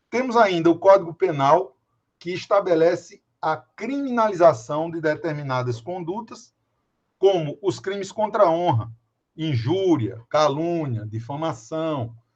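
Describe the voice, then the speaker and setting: A man speaks fairly slowly at a high pitch, with very wide pitch swings and big shifts in loudness. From Brazilian Northeast. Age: 60s. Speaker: judge and law lecturer. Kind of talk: lecture. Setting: online live stream.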